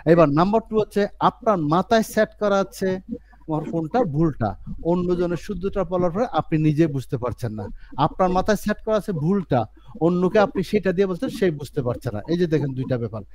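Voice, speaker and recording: A man's voice: high voice, expressive, a little fast, a little mellow, a little hiss or hum. A man teaching an English course on a video call, explaining earnestly and repeating himself, with frequent restarts. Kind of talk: online class lecture.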